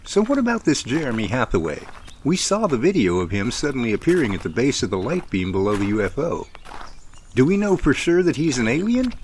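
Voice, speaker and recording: A man's voice: mid-range voice, sing-song, fairly quick, a little mellow, slight background noise. A man playing a skeptical, wry investigator's sidekick in an audio drama, with a questioning, dry manner. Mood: puzzled, questioning. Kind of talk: amateur audio drama dialogue.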